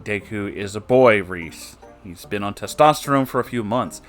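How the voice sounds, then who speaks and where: A man voicing a flustered, earnest young storyteller in a halting, exasperated manner, as part of a read-aloud story. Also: on the low side, a bit bright, faint music behind, lightly acted. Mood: firm, exasperated.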